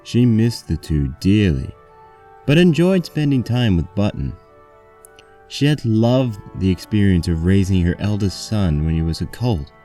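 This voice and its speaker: A man's voice: lowish voice, very animated, unhurried, dark tone, soft background music. A man reading a scripted story aloud as its narrator.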